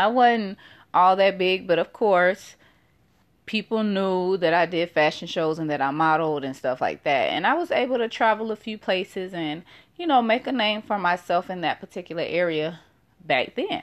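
A woman with a normal speaking voice talks at a moderate pace and medium pitch, her intonation lively, over a quiet background. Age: 30s. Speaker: podcast host. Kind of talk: personal storytelling monologue. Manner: casual, conversational.

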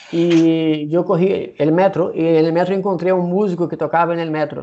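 The man's voice sits high in pitch. His intonation stays fairly even. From Brazil, Manaus (Amazonas). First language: Portuguese (speaking Spanish). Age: 40s. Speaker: musician. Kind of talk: interview. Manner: halting.

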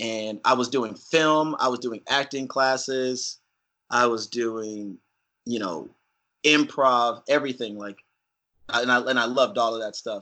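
Over a quiet background, a man with a plain, everyday voice speaks at a fairly slow pace. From US, military family, moved often. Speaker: podcast co-host, tech engineer. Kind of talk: casual chat.

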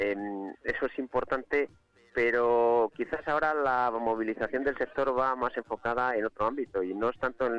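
A man speaks at a medium pitch and moderate pace, his intonation fairly even. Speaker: farmer. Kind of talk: live phone interview. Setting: outdoors at a tractor protest. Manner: halting.

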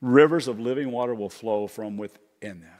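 With a slight Kentucky accent, a man speaks in an animated tone at a moderate pace and medium pitch. The recording is very clean, with a silent background. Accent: slight Kentucky Southern. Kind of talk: sermon.

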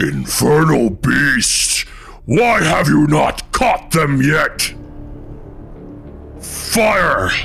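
A loud, booming, growling put-on character voice, its pitch swinging very widely, moves at a very slow pace with long, frequent pauses. Music plays clearly in the background. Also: man, fairly high pitch for a man. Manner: bellowing.

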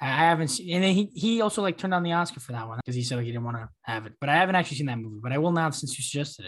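The delivery is very fast and somewhat breathy. Loudness rises and falls sharply. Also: man, fairly high pitch for a man. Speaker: podcast host. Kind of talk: casual interview.

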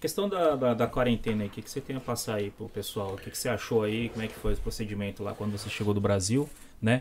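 A man talks at a very fast pace with a medium pitch. Noticeable background noise sits behind him. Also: ordinary pitch variation. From Brazil. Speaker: guest co-host. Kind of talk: casual chat. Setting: live video stream.

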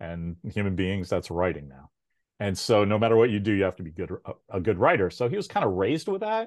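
A man with an American accent speaks in a normal speaking voice, fairly low in pitch with ordinary pitch variation and big swings in loudness. His pace is fairly quick, over a quiet background. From United States. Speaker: comics writer and publisher. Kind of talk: casual interview.

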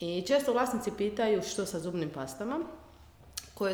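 Spoken at a moderate pace with very wide pitch swings, over noticeable background noise and audible room echo. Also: woman. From Croatia, Slavonia, rural. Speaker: veterinary dentist. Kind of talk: interview.

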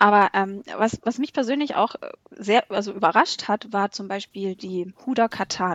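A woman speaks at a fairly slow pace in an ordinary speaking voice, medium in pitch with ordinary pitch variation, the sound dry and close with no echo. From southwest Germany (Freiburg). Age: 40s. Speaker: entrepreneur. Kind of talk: casual interview.

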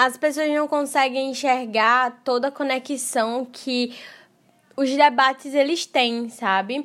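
Very slowly, a woman speaks in a high voice with fairly even intonation. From Natal, northeastern Brazil. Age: 20s. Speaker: vegan activist. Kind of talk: interview.

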